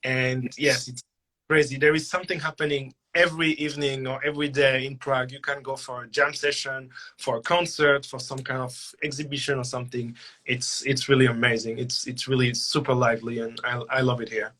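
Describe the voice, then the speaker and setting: Bright-voiced man on a call. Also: mid-range voice, level tone, fairly quick. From France. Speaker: guest musician. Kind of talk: interview conversation.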